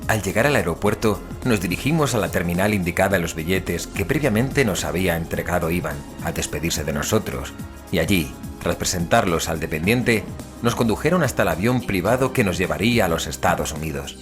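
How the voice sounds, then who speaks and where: An actor from playing a wry, easygoing, tech-savvy investigator in an audio drama, in dialogue and narration. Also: male voice, sits low, expressive, brisk. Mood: narrating. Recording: music clearly behind the voice.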